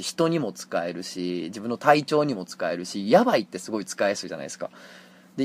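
A man with a Kansai accent talking casually on his own podcast, reading listener mail and often acting out quick exchanges. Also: fairly low pitch. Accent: Kansai Japanese. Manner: animated, jumps into acted quotes. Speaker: podcast host. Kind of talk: casual solo talk radio.

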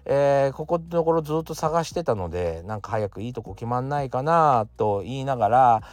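A man's voice: medium pitch, animated, brisk, darkish tone, no echo. A man from the area, hosting a casual solo talk podcast, chatty, full of fillers and little chuckles. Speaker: podcast host.

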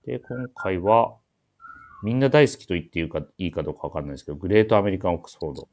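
A man's voice: low voice, lively intonation, racing, darkish tone. A man hosting a casual talk show, chatting and announcing events with a dry, teasing manner. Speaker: radio show host.

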